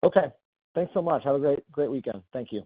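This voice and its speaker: A man's voice: medium pitch, lively intonation, a little fast, husky, no echo. A man calling in as a financial analyst, asking questions in a casual, polite way over the phone. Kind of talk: earnings call questioning. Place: phone call. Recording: dry, thin phone line.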